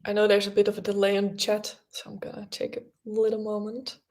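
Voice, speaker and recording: A woman's voice: mid-range voice, monotone, a little fast, darkish tone. Chatty young woman, Dutch native. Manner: chatty, rambling, many fillers and restarts. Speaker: podcast host. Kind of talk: casual livestream chat.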